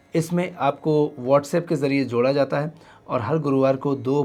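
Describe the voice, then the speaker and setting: Fairly even intonation in a plain, everyday voice. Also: man. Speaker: podcast host. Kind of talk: spiritual podcast talk.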